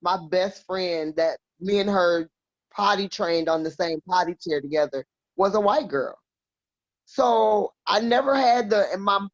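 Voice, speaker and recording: A woman's voice: medium pitch, no room sound. A woman in her forties from Milwaukee, a podcast guest telling personal stories in a frank, salty, laughing way. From Milwaukee, Wisconsin. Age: 40s. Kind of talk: casual chat, personal storytelling. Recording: dull lo-fi dry sound.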